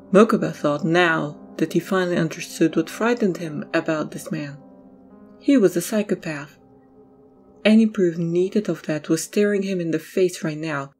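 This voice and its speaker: A woman's voice: fairly low pitch, a little mellow. A woman narrating an audio drama in a scripted, storytelling read.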